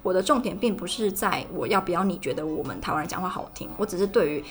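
Fast-talking young Taiwanese woman podcaster. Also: lowish voice, expressive. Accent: Taiwanese Mandarin. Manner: fast, chatty ranting monologue. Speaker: podcast host. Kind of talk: casual podcast chat. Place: student dorm room. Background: faint background music.

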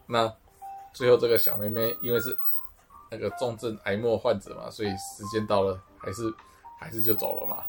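A man's voice: on the low side, flat delivery, vocal fry, music in the background. Taiwanese-accented man chatting, repeating himself. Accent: Taiwanese Mandarin. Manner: halting, repeats words while explaining. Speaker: podcast co-host. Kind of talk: casual chat.

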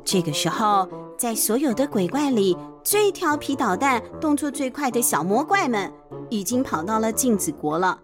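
A high-voiced woman with a Taiwanese accent tells a bedtime story for children. Her narration is expressive and full of playful asides, with music clearly audible behind her. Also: normal speed. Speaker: children's storyteller, podcast host. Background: clear background music.

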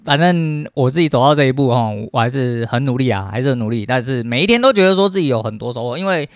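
A man's voice: mid-range voice, expressive, fast, no echo. A man in his thirties with a Taiwanese Mandarin accent, hosting a solo podcast in a blunt, heavily profane way, his throat dry and scratchy. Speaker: podcast host. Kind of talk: casual solo podcast rant.

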